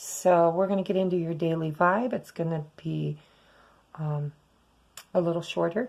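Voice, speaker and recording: A soft-spoken woman with a fairly low pitch talks at a moderate pace. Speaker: tarot reader. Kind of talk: tarot reading vlog. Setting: at home.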